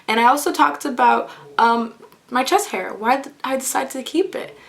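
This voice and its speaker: A woman's voice: high-pitched, moderate pace, creaky, fairly bright tone. A young woman vlogging to camera in a casual, earnest way, often laughing and repeating her phrases.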